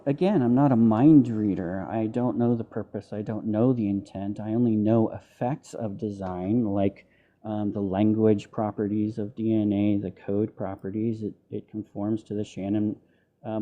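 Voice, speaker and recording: A man's voice: on the low side, fairly even intonation, moderate pace, mellow. A man arguing his side in a live online debate, heard over a muffled phone or headset mic on a call, pressing his points with frequent ums and restarts. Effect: muffled remote call mic, sounds underwater. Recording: muffled, dull lo-fi call audio.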